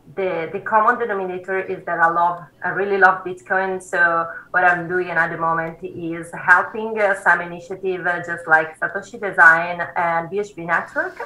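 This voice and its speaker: A woman with an Italian accent talks at a moderate pace in a fairly low voice, with hardly any pauses and monotone, flat intonation. Her loudness swings widely, and there is noticeable background noise. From Italy. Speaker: bitcoin advocate. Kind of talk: panel interview.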